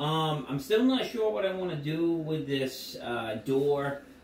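The man's voice carries audible room echo over light background noise. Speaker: home DIY vlogger. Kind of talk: casual vlog chat. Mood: jokey, relaxed. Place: home room. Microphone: camera far.

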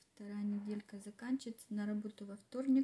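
Somewhat breathy, a woman's fairly high-pitched voice carries a dark, mellow tone. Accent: Ukrainian. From Ukraine. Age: 40s. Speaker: vlogger. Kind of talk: casual talk to camera. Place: home room. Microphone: lapel.

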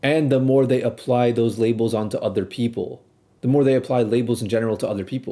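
A man talks at a fairly quick pace in a dark, mellow tone at medium pitch. The recording is very clean, with a silent background. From Indian heritage. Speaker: streamer. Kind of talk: monologue commentary.

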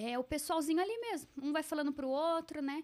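A woman talks at a fairly quick pace. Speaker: cosmetics reseller and influencer; cosmetics reseller, influencer. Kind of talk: interview. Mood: relaxed, reflective storytelling. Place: studio. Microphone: studio mic.

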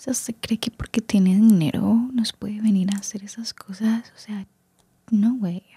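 A woman whispering, somewhat breathy. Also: fairly slow pace. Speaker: ASMR creator. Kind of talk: ASMR video. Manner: whispered. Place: home room. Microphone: studio mic.

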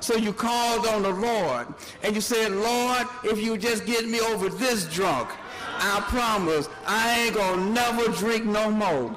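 Music sounds in the background as a man with an American accent speaks at a high pitch. He keeps a fairly slow pace and fairly even intonation. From Chicago. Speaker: preacher. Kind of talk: sermon.

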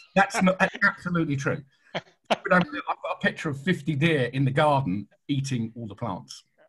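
Spoken in a British accent, the voice has lively intonation. Its loudness swings widely. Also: man, fairly high pitch for a man, moderate pace. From England. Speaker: trading educator. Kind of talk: webinar presentation. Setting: live online webinar.

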